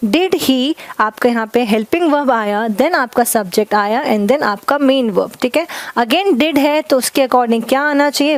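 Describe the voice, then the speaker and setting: A woman with a fairly high voice teaches a grammar class. She goes slowly and keeps checking that her students follow. The sound is close and dry, with no room echo. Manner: explains slowly with many checks of understanding; mixes Hindi and English. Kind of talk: classroom lesson.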